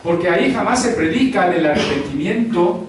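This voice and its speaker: A man's voice: high voice, lively intonation, normal speed, a little hiss or hum. Man preaching in an echoey hall. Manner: conversational preaching with rhetorical questions. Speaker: pastor. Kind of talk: sermon. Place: church hall. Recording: echoey hall, far from the mic.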